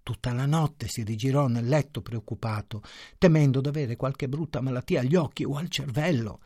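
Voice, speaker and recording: Man narrating a story with gentle irony. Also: medium pitch, no echo. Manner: measured, ironic storytelling. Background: faint music.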